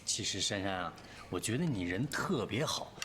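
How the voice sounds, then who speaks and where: An actor playing a friendly, kind-hearted young male coworker who chats warmly. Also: lowish voice, expressive, moderate pace, natural voice. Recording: roomy room with clear background noise.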